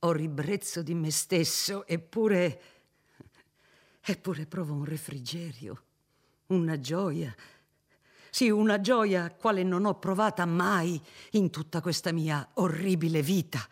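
A man voicing a shaken, remorseful lord who once lived as a tyrant, speaking in slow, halting exclamations in a storybook reading. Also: on the high side, voice pushed up.

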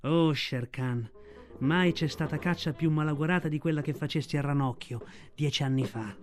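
A man's voice: on the high side, moderate pace, faint music behind, natural voice. A man reading the part of a black female panther, speaking tenderly and proudly in an audiobook. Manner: tender, grave storytelling tone.

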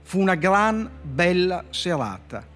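A man with a Turin accent, a poet guest on a radio show, reading his short comic fables in a dry, deadpan way with slow pauses before the punchlines. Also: high voice. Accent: Italian, from Turin. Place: radio studio. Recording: music bed playing faintly behind.

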